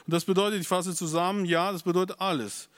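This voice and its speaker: A man's voice: sits high, steady tone, quick pace, fairly bright tone, no echo. A pastor preaching a sermon to his congregation, emphatic and insistent at times, with hesitant restarts along the way. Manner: emphatic, rising to insistent peaks.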